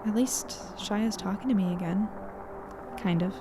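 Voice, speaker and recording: An actress plays a practical young woman telling her story among friends. She is casual and reflective, mid-pitched, with clear ambient noise behind the audio drama. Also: a little slow, lightly acted. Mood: reflective, uneasy. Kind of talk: first-person audio drama narration and dialogue.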